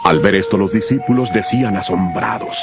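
A man narrating dramatized scripture in a measured, expressive way. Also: deep voice, over loud music.

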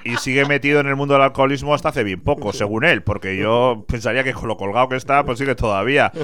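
Smooth-voiced Spanish man on radio. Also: mid-range voice, fast talker. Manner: relaxed, chatty, laughs while talking. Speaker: radio show co-host. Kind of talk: casual radio chat.

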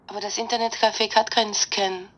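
An actress playing a sorrowful, romantic and evasive online sweetheart from Russia in a German radio drama, emotional and imploring. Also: female voice, mid-range voice, flat delivery, a little fast, a bit bright, lightly acted. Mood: evasive, uneasy.

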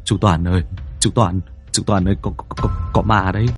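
A man's voice: low-pitched, steady tone, brisk, faint music behind. A man voicing a frightened young husband, frantic and stammering. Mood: terrified.

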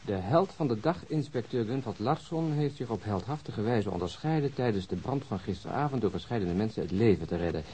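An actor playing a dry, mocking police detective who needles colleagues in a radio drama. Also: male voice, lowish voice, lively intonation, fairly quick, hardly any pauses, dark tone, slight background noise, close to an everyday voice, low-quality recording. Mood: sarcastic. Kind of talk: Dutch radio drama acting.

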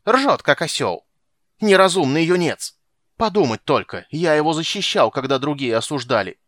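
A man voicing a cranky old male sorcerer who shouts and scolds in a shrill, petulant voice. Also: wildly swooping pitch, moderate pace, dry recording. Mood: ranting.

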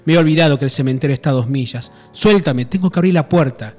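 A man voicing a desperate grieving older mother who cries out in a shrill voice, in a read-aloud horror story. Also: quick pace, a little mellow, soft background music, lightly acted. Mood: frantic.

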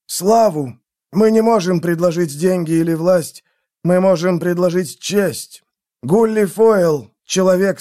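High, pushy official in an audiobook, read by a man. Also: a little mellow. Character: stern male official, urgent and persuasive.

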